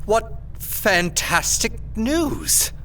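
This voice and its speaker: Slick scheming company exec, fake concern, expressive, little off mic w faint noise. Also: male voice, sits high, very slow, distant mic, full character voice. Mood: feigned delight. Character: smooth, scheming male corporate official feigning concern. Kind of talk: audio fiction drama acting.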